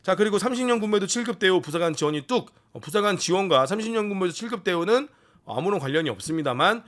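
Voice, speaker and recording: A man runs a military commentary channel, ranting and cursing in exasperation. His voice sits fairly high and bright, and it leaps around in lively swings. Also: quick pace. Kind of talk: casual commentary.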